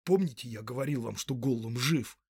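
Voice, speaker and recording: A man's voice: mid-range voice, brisk, a little mellow, slightly rough. A man voicing a plain-spoken, loyal young male hobbit with a homely, folksy manner. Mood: wry.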